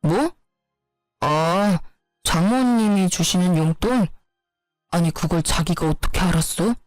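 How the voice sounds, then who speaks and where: Evasive young husband, defensive and smooth-talking, read by a woman. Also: on the low side, slow pace, a little mellow, dry recording, soft background music, poor audio. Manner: defensive, brushing off accusations.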